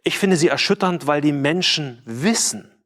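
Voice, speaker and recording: Male preacher, slightly raised pitch, earnest and emphatic sermon delivery, rhetorical questions. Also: moderate pace, fairly bright tone. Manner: quotes scripture with raised, dramatic voice.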